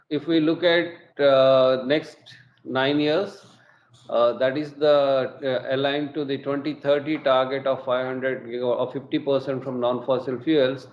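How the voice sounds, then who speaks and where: A middle-aged man with an Indian English accent presents quarterly results on an earnings call, measured and full of hesitations. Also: medium pitch. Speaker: company executive presenting results. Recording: echoey room with faint ambience.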